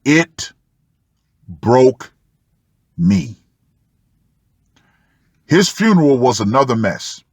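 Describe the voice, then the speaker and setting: Slow-talking man reading aloud, dry recording. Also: mid-range voice, fairly bright tone, no echo. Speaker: host of a commentary channel. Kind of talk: reading a personal post aloud with asides.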